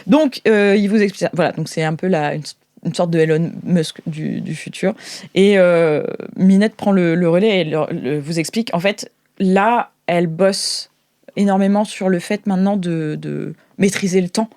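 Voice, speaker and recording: A woman's voice: on the low side, normal speed, mellow, dry recording, studio quality. A woman running an improvised tabletop game as game master, narrating hesitantly as she makes things up.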